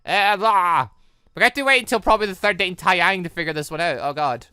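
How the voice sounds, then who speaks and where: A man's voice: sits high, fast talker, sharp tone, smooth, dry recording, clean studio sound. A young man doing casual game commentary, rambling and trailing off into nonsense syllables. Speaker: gaming channel host. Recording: music behind the voice.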